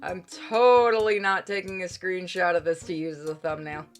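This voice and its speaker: A woman hosting a gaming playthrough, switching between casual chat and expressive, theatrical read-aloud of the story text. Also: fairly low pitch, moderate pace. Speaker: gaming video host reading game text aloud. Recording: music playing behind the voice.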